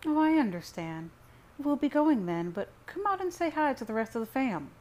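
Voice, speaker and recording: A woman's voice: sits high, sing-song, normal speed, darkish tone, voice pushed up, rough recording. A woman voicing a meddling mother who talks with false sweetness and a leer, in an audiobook reading. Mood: falsely sweet. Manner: cloying, leering.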